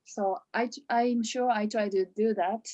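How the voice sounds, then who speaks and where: A woman's voice: medium pitch, steady tone, unhurried, dark tone. A woman from Japan with a Japanese accent, giving a hesitant graduation speech with many restarts over a video call. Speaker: coaching graduate.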